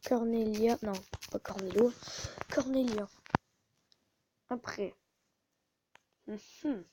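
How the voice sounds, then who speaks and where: A woman's voice: a little high, drawn-out words, background noise. A woman hosting a casual gaming video, muttering to herself and often stopping to correct herself, recorded on a phone. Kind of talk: casual gameplay commentary.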